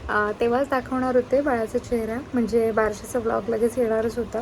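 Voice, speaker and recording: A young woman with a Marathi accent talks casually to her camera at home, slipping English words into her chat. Her voice sits high, and a faint hiss runs under the recording. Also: flat delivery, brisk, darkish tone. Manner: chatty, switches between Marathi and English words. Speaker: vlogger, new mother.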